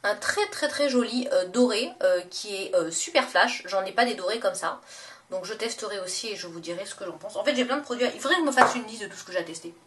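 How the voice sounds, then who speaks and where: A woman's voice: medium pitch, lively intonation, fast, a bit bright, far from the mic, slight background noise. A young woman talking casually in a makeup haul vlog, chatty and gushing, with many fillers and self-corrections. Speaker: beauty vlogger.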